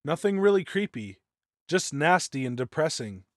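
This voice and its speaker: A man's voice: a little high, sing-song, normal speed, no echo, studio quality. A man narrating a scripted first-person scary story as a guest narrator.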